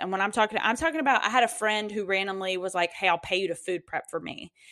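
Over a quiet background, a woman with an ordinary speaking voice uses lively intonation at a medium pitch. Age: 30s. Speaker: podcast host. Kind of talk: solo casual monologue. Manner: casual, with fillers.

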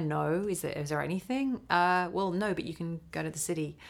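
Speech moves along at a fairly quick clip. It comes in a southern English accent. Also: woman. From West Country of England. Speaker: orchestra founder and violist. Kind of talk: interview conversation.

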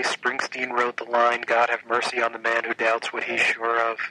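At a medium pitch, a man speaks in a dry, close sound with no echo over noticeable background noise. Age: 30s. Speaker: music journalist. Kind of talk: interview.

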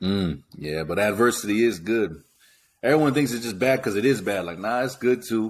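The recording is very clean, with a silent background. A man with a fairly low voice and an American accent speaks fairly quickly with lively intonation. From US West Coast. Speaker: podcast co-host. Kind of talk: casual chat.

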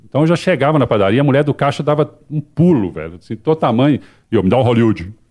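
A man talks at a very fast pace with lively intonation and some vocal fry, his medium-pitched voice dark and mellow against a quiet background. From Brazil, countryside (interior). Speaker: heavy metal guitarist. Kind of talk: casual chat.

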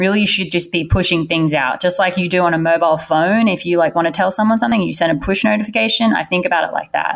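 A woman talks at a very fast pace with hardly any pauses. Her pitch is fairly low, and she has an Australian accent. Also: ordinary pitch variation. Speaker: software engineer. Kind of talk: interview.

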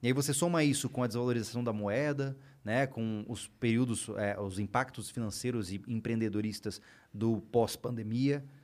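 An ordinary speaking voice with ordinary pitch variation, delivered at a moderate pace. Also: man, medium pitch for a man. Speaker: survivalism youtuber. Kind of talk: casual chat.

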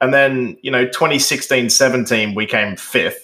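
A man with an English accent speaks at a moderate pace in a bright, sharp tone. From southern England. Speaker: football fan. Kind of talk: casual chat.

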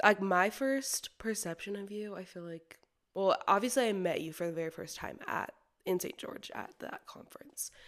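In an American accent, a woman speaks at a medium pitch and a moderate pace, with ordinary pitch variation. She has a plain, everyday voice, and her loudness swings widely. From Utah (Orem). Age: 20s. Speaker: podcast guest. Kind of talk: casual chat.

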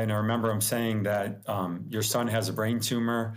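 Here is an unremarkable speaking voice with an American accent. The pace is moderate. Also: man. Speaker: bereaved father and foundation founder. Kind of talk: casual interview.

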